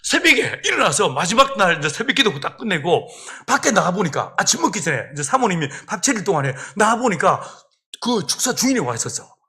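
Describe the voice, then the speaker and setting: A man's voice: high-pitched, a little fast. A middle-aged man preaching a revival sermon in church, telling a personal story and acting out the voices in it. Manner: lively storyteller who acts out voices and laughs. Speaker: pastor. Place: church sanctuary.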